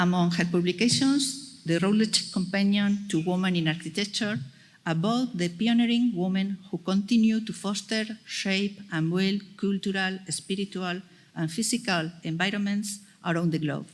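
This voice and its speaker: A woman speaks at a moderate pace with a somewhat breathy voice. Her pitch is medium, with ordinary variation. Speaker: conference presenter introducing speakers. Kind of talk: formal introduction at conference. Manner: halting, hesitant.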